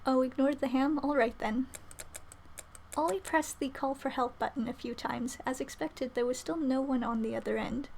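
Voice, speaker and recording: A woman with a high voice reads a visual novel aloud for a live stream. She slips between narration and casual remarks, over a faintly noisy background. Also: normal speed, gravelly, a little mellow. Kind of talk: live read-aloud with chatty asides.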